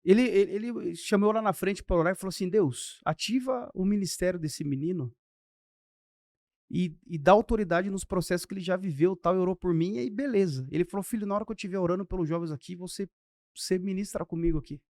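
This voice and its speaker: A Brazilian pastor in his thirties tells his testimony in an animated, story-acting way. His voice sits high for a man, and the recording is dry and close. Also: fast, dry recording. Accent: Brazilian Portuguese. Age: 30s. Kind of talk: storytelling in a podcast interview.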